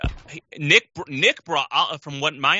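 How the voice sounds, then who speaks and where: A man speaks with vocal fry. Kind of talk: casual banter.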